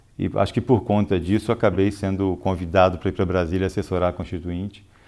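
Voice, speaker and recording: In an Espírito Santo accent, a man with a very deep, low pitch and a dark, mellow, calm tone talks at a fairly quick pace with fairly even intonation, on a very clean recording with a silent background. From Brazil, Espírito Santo. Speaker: municipal finance secretary. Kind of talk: interview.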